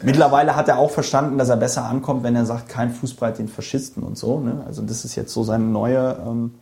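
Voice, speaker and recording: A man's voice: medium pitch, flat delivery, gravelly, a little mellow. A man as a podcast guest, telling blunt anecdotes in a casual conversation, speeding up in bursts. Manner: brash anecdotal storytelling, fast bursts.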